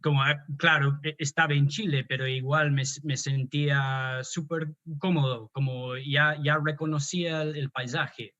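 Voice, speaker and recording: Un hombre de Australia que habla español como segunda lengua, con pausas y muchos titubeos, conversando en una entrevista. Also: male voice, fairly high pitch, fairly even intonation, sharp tone, muffled recording. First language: English. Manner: hesitant, many restarts and fillers. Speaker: guest poet and translator. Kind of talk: conversational interview.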